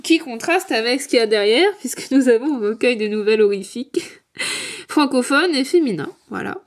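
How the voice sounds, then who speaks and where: A young woman walks through her home bookshelves in a relaxed, chatty vlog. She rambles and fills pauses with hesitations. Her voice sits a little high. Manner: chatty, rambling with many fillers. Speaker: booktuber and author. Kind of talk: casual book-collection vlog.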